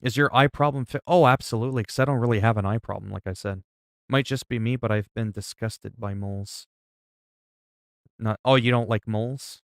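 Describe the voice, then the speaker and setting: A man in his forties livestreams, talking casually and crudely to viewers and drifting through explanations that lean on everyday examples. He speaks briskly at medium pitch, in clean studio sound without echo.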